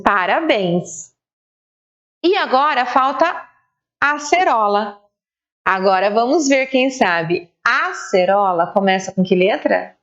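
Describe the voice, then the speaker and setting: A Brazilian Portuguese woman teaching an online reading lesson to young children, spelling out syllables slowly and praising them. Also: mid-range voice, a bit bright, muffled recording.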